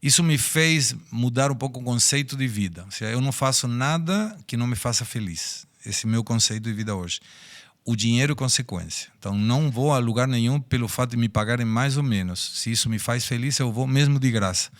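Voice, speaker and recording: A man's voice: mid-range voice, a little fast. Argentine man in his sixties, reflective. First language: Spanish. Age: 60s. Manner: reflective, storytelling, speaks of personal life lessons. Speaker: guest. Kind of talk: podcast interview.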